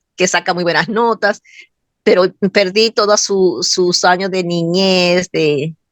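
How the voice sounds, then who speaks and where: Speaking at a very slow pace with fairly even intonation, a woman is heard in a dry, close sound with no echo. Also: medium pitch for a woman. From Cuba. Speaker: writer. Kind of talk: interview answer.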